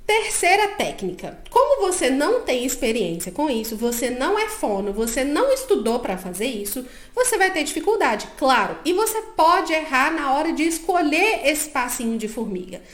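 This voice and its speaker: A woman's voice: sits high, very animated, normal speed, few pauses. A woman psychologist, giving step-by-step advice to parents and often checking that the listener is following. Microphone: own microphone. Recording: echoey room.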